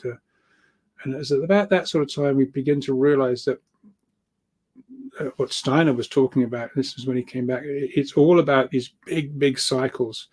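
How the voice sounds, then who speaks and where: Mellow-voiced man, halting and rambling. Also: medium pitch. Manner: halting, repeats words, rambling, chuckles often. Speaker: guest speaker, researcher of earth energies. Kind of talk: informal spoken explanation of spiritual ideas.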